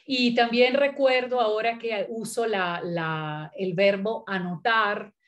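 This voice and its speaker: A middle-aged woman poet and critic, from Venezuela with Italian as her first language, speaking thoughtfully with many pauses, fillers and restarts at an academic panel. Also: medium pitch, steady tone.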